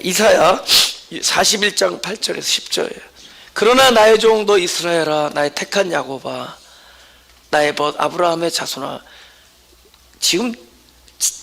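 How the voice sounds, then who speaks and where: A man's voice: high-pitched, creaky, a bit bright. A man preaching a Sunday sermon as pastor at a church service, talking conversationally and often checking in with the congregation.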